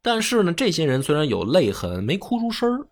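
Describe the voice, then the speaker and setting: A man's voice: a little high, huge pitch swings, a little fast. A man telling history in a colloquial, slangy way. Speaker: history storyteller. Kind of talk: casual storytelling chat.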